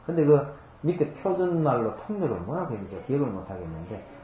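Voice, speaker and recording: In a roomy space with a noisy background, a very animated man of medium pitch talks fairly quickly through a conversational Bible-teaching sermon. As a pastor, he explains scripture patiently, leaning on homely illustrations and rhetorical questions.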